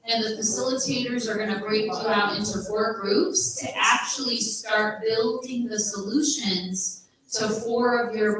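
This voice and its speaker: A woman's voice: on the high side, fairly bright tone, recorded from a distance. Upbeat woman facilitator in an echoey room. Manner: upbeat, encouraging, repeats instructions. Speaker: workshop facilitator. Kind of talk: leading a live workshop. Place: large conference room.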